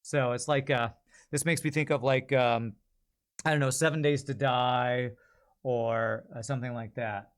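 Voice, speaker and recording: A man's voice: medium pitch, steady tone, measured pace, clear, resonant tone. A man hosting a livestream, chatting informally and thinking aloud to his viewers. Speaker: livestream host. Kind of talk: casual chat to stream viewers.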